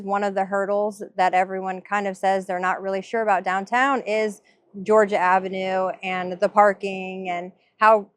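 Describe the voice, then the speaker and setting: A woman's voice: mid-range voice, clean tone, no room sound. Practical woman, dry sound. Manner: analytical, practical, easygoing. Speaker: downtown business owner guest. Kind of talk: casual interview chat.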